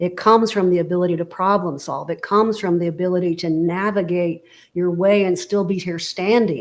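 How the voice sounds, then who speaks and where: A woman speaks at a fairly quick pace in an unremarkable speaking voice. Her pitch is medium. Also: fairly even intonation, very clean recording, silent background. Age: 60s. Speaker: author and confidence speaker. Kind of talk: interview conversation on a livestream.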